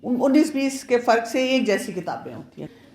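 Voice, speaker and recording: A woman's voice: fairly high pitch, lively intonation, a little mellow, a little hiss or hum. A woman pediatrician giving a chatty, advising marriage awareness talk to women, mixing in English words. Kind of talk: informal lecture to women. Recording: roomy echo.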